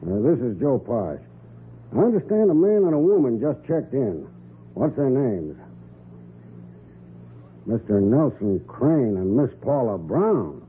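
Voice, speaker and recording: Folksy sheriff, animated, old crackly radio. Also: male voice, medium pitch, unhurried, long pauses. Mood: businesslike. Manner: folksy, plain-spoken. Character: folksy, gruff small-town police sheriff. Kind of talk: 1940s radio drama acting. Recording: muffled, noisy 1940s radio recording.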